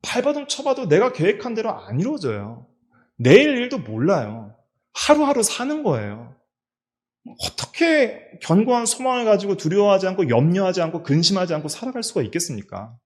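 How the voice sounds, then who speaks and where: A man's voice: high-pitched, very animated, fairly quick. A middle-aged man, a pastor with a Daegu-region Korean accent, preaching a sermon in a church and asking his listeners many questions. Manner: preaching with rhetorical questions and repetition. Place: church sanctuary.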